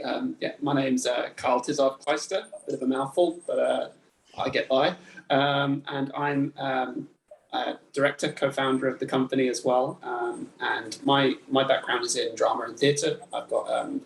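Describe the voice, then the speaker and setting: A man introducing himself as a company director on a video call, halting and self-deprecating, with many ums. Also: mid-range voice, little pitch movement, creaky, roomy sound, rough recording.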